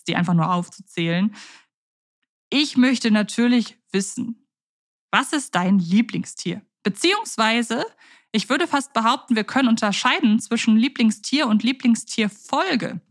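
A woman's voice: medium pitch, unhurried. A woman co-hosting a podcast, chatting casually and thinking aloud with fillers. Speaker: podcast co-host.

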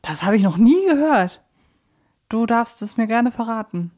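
A woman's voice: fairly high pitch, animated, normal speed, darkish tone. A woman co-hosting a playful fan quiz, talking casually. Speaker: podcast co-host and radio play fan. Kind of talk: playful quiz chat between fans.

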